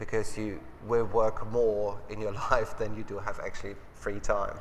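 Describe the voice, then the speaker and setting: A man with a German accent speaks with audible room echo. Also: moderate pace. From Germany. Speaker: magazine editor. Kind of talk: public interview.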